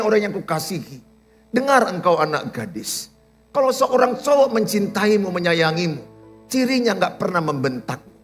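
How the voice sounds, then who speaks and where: High lively pastor guy, jokey teasing sermon, faint music behind. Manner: animated, teasing, humorous. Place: church.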